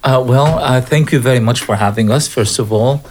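A man's voice: mid-range voice, moderate pace, a little mellow, slight background noise. A middle-aged man from Gaza, a guest on a radio show, who speaks earnestly and often stops to restart his sentences. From Gaza, Palestine. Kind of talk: interview answers.

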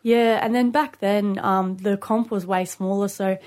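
A woman's voice: medium pitch, steady tone, a little slow, a little mellow. Young Aboriginal Australian woman, chatting informally. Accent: Aboriginal Australian English. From Queensland, Australia. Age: late 20s. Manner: informal, with frequent "like" and "you know". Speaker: studio guest, rugby league player. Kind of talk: casual interview chat.

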